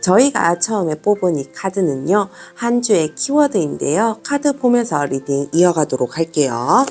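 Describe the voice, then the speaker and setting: A woman giving a weekly tarot reading to her viewers, talking in a gentle, reassuring way and addressing them as a group. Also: lowish voice, very animated, normal speed, breathy edge. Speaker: tarot reader. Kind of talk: soft-spoken tarot reading. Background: faint background music.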